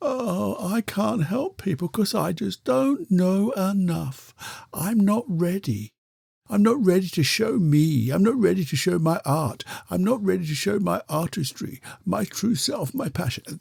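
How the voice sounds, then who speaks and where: A man performs a put-on character voice at a high pitch with very wide pitch swings and a moderate pace, the sound dry and close with no echo. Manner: exaggerated, mocking.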